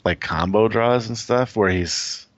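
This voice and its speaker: A man's voice: lowish voice, unhurried, dry recording, dull audio. A man appearing as a guest, analyzing poker strategy casually and thinking aloud with many "like"s.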